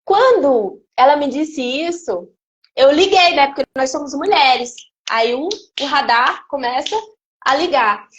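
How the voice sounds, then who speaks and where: A woman, a guest giving an emotional personal testimony in an animated storytelling way. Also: high-pitched, a little slow, lo-fi sound, slight background noise. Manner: animated storytelling, acting out quoted speech. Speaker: interview guest.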